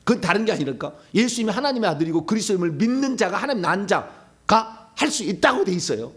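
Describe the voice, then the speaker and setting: A middle-aged male pastor giving a sermon, preaching animatedly and acting out demons' pleas and shouted commands. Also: high-pitched, big pitch swings, fast, breathy edge.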